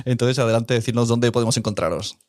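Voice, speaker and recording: A man's voice: mid-range voice, a little mellow, no room sound, clean studio sound. A man with a Castilian Spanish accent hosting a podcast in a casual, colloquial way. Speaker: podcast host, interviewer.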